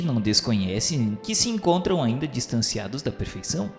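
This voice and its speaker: A Brazilian man narrates a radio novel with solemn, declamatory gravity. His voice is fairly low, wrapped in long, echoing hall reverb with music underneath. The delivery is formal and reverent, like scripted literary prose read aloud.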